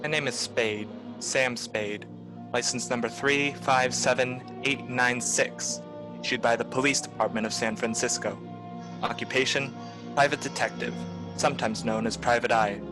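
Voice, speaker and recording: A man's voice: medium pitch, steady tone, normal speed, music in the background, natural voice. A man playing a wry, cynical private detective in a 1940s-style radio noir, talking in clipped slang. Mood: wry, matter-of-fact.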